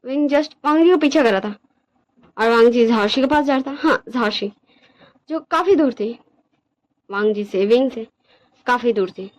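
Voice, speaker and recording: A woman's voice: a little high, moderate pace, long pauses. A woman casually narrating her own fan fiction story, chatty and checking in with her listeners.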